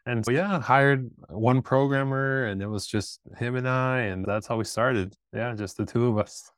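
A man in his thirties from Peru, a guest telling his story in a casual interview, relaxed and rambling with restarts. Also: mid-range voice, normal speed, dry recording, clean studio sound. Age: 30s. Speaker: guest, startup founder.

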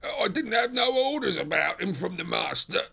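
A man voicing a gruff, stubborn, distrustful prizefighter porter who talks in loud working-class dialect, in a storybook reading. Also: sits high, sing-song, moderate pace, pitched above the performer's own voice, full character voice. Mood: suspicious, stubborn.

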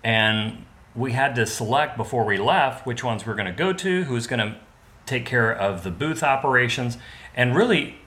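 A man from the American Midwest chats as a podcast guest, telling stories in a loose, rambling way with easy jokes. His voice has a bright, forward edge. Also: medium pitch, moderate pace. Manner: relaxed, joking, rambling storyteller. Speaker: podcast guest, business partner. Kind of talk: casual podcast chat.

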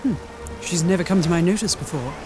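An actress playing a suspicious, commanding boss who runs spies. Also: female voice, fairly low pitch, fast talker, music in the background, close to an everyday voice. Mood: scheming. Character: scheming female spymaster boss.

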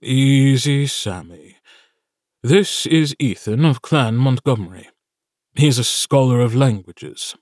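Male narrator doing a stern demon warrior, deep, gruff and commanding, slow. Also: animated, darkish tone, no room sound, studio quality.

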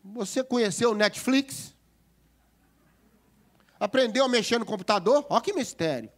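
Brazilian preacher guy, high voice, jokey sermon, keeps asking right or not right. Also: unhurried. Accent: Brazilian Portuguese. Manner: lively, joking, asks the congregation for agreement. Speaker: pastor. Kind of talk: humorous sermon.

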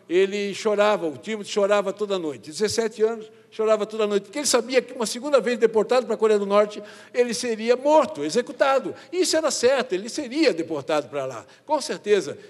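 A man's voice: sits high, long reverb tail. A male pastor from Brazil preaching a sermon, telling a story with lots of quoted dialogue and calling the congregation his brothers. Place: church.

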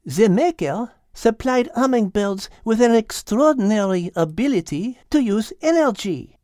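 A man voicing a brilliant, gentle female cat with a French accent, patiently explaining in a children's animal story. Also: high voice, lively intonation, a little slow, dry recording, studio quality, pitched above the performer's own voice. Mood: patient, teaching.

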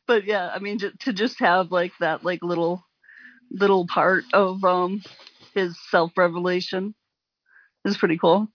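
A woman chatting casually about a film, halting and full of ums. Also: fairly low pitch, slightly rough, dry recording, dull audio. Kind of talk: casual movie discussion.

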